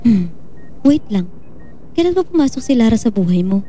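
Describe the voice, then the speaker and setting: A woman's voice: a little high, big pitch swings, moderate pace, warm tone, a little hiss or hum. A woman acting a patient, pensive doctor in an audio drama. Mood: patient, probing.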